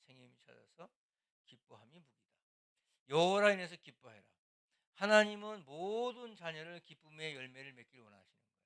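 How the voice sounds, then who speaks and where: A man's voice: high-pitched, lively intonation, brisk, a bit bright, clean tone. An older man, a pastor, teaching church small-group leaders in a loose, conversational way, now and then acting out scolding lines. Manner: conversational preaching, acts out scolding quotes.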